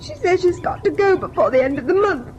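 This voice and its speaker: A fretful young wife in a vintage radio ghost play. Her voice is extremely high and full of worry. There is faint noise on the old recording. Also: animated, a little fast, a little mellow, lo-fi sound. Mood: upset, tearful. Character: Laura, young wife, anxious writer, fretful. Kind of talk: old-time radio drama acting.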